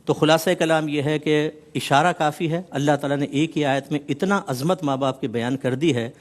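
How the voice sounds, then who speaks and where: A mufti speaks on a TV talk show, giving a measured religious explanation with points delivered in rhythmic runs. His voice is on the high side with fairly even intonation, and English words slip into what he says.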